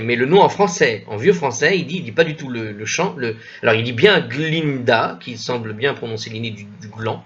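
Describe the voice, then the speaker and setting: A man teaching a commented reading of an old religious text, thinking aloud with many hesitations and self-corrections, slowly sounding out foreign words. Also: medium pitch, fairly bright tone, muffled recording. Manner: spells out Hebrew and Old French words slowly. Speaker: Talmud study teacher.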